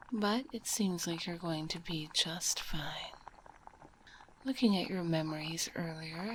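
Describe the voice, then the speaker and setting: Woman playing gentle witch healer, slow breathy whisper, nurturing, close binaural ASMR, audible background noise. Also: on the low side, poor audio. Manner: soothing, unhurried, nurturing. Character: gentle caring witch healer in her potion shop. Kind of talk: ASMR roleplay, addressing the listener. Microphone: close binaural microphone.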